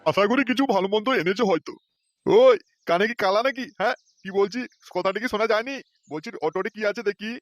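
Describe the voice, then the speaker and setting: A man's voice: high voice, fast talker, no echo, faint music behind, close to an everyday voice. A man voicing a stingy, hot-tempered middle-aged man in a cartoon who blusters and threatens. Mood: blustering. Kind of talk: cartoon voice acting.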